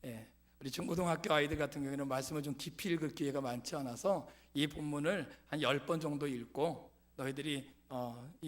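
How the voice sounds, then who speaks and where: This middle-aged pastor, speaking at medium pitch, preaches a sermon in a church sanctuary. He questions his congregation and shifts between loud calls and whispers.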